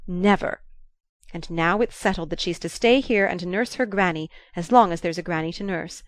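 A woman voicing a shrewd, commanding old grandmother who talks in a lively, imperious way. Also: lowish voice, moderate pace, no room sound, lightly acted. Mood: indignant.

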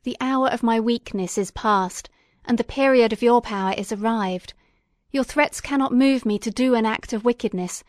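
A woman voicing a defiant, furious young male scientist in an audiobook reading, speaking forcefully and indignantly. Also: fairly high pitch, no echo, studio quality, close to an everyday voice.

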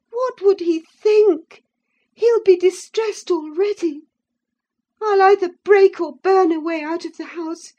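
A woman voicing a passionate young woman, high and tearful, pleading and defiant. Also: mellow, lo-fi sound.

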